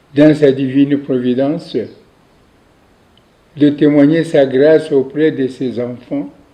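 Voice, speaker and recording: Dark and mellow in tone, a man's medium-pitched voice moves at a very slow pace with fairly even intonation. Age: 80s+. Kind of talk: address to members. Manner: formal.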